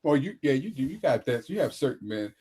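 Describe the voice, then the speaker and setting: A man speaking on a casual panel discussion, halting and repeating words as he works toward his point. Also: medium pitch, sing-song, warm tone, breathy edge.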